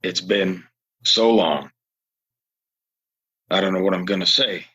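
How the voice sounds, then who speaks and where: An actor playing a reserved, weary, honorable drifter in a Western audio play, halting and solemn, on a dull recording. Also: male voice, sits low, pushed and bright, slightly rough, exaggerated voice. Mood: hesitant, weary.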